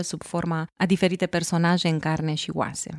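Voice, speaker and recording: A woman speaks in an ordinary speaking voice at a fairly quick pace, her pitch fairly low, with a dry, close sound with no echo and a quiet background. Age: 40s. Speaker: literary translator, podcast co-host. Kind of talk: casual chat.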